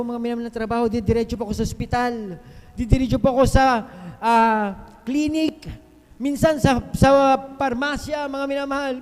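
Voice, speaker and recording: Guy with a really high voice giving his church testimony, keeps calling out to the congregation, big echoey worship hall. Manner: keeps repeating a fond address to the congregation; fervent, breaks into loud hallelujahs. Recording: long hall reverb on a live stream.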